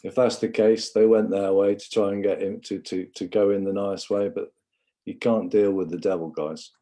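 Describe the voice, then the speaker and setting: A man's voice: lowish voice, steady tone, moderate pace, mellow. A man from England giving a rambling, impassioned livestream monologue, often calling viewers "guys".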